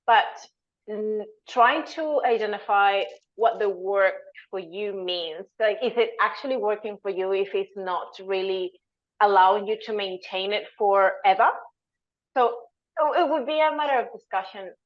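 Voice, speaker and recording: A woman, from Venezuela, speaking as a dietitian guest. She explains earnestly at a mid-range pitch and often searches for her words. The audio is somewhat dull and lo-fi. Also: moderate pace. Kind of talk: conversational interview answer.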